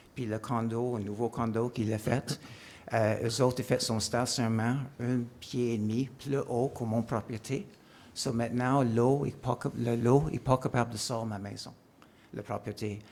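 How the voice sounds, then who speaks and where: Monotone, flat delivery in an English accent at a fairly slow pace. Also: man, medium pitch for a man. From England. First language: English (speaking French). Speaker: resident speaking at public meeting. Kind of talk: public comment at municipal meeting. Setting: community centre public meeting. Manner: halting, many hesitations.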